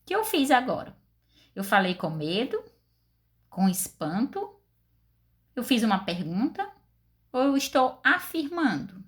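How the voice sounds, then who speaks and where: Slow, lively-voiced teacher woman. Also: on the high side. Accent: Brazilian Portuguese. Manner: slow, deliberate, expressive with questions to pupils. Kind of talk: recorded class lesson.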